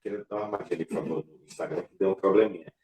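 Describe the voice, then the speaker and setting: Man, pastor, low voice, relaxed chatty delivery, roomy echo, distant from the mic. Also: very fast. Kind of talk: casual church live talk. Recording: echoey room, voice from afar.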